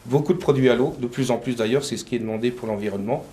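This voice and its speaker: A man's voice: mid-range voice, very fast, warm tone. A middle-aged man from western France, a painter and decorator, answering questions in a local TV interview with many hesitations and restarts. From Maine-et-Loire, France.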